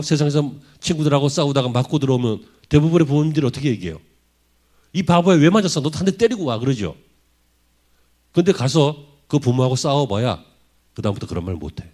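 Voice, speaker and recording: A man's voice: a little high, a little mellow. A man preaching a sermon as a pastor in a church, driving his points home with rhetorical questions to the congregation. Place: church sanctuary.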